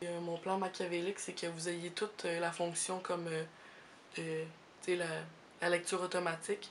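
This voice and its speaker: The speaker is soft-spoken, with a Quebec accent and monotone, flat intonation. The pace is moderate, broken by long, frequent pauses. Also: woman, fairly low pitch for a woman. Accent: Québécois French. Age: 20s. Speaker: beauty youtuber. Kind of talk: makeup tutorial. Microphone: camera's built-in mic.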